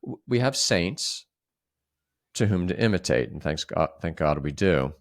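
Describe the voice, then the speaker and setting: A man co-hosting a reflective conversational discussion, speaking haltingly with frequent repeated words and restarts. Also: low-pitched, expressive. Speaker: podcast co-host.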